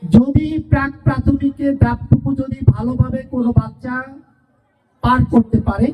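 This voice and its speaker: A woman's voice: high-pitched, steady tone, moderate pace, narrow, tinny audio, faint music behind. A woman teacher gives a farewell speech to parents, asking rhetorical questions and repeating her points. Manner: asks the audience rhetorical questions, repeats phrases. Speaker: school teacher addressing parents. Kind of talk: farewell speech at a school event. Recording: distant voice from far off.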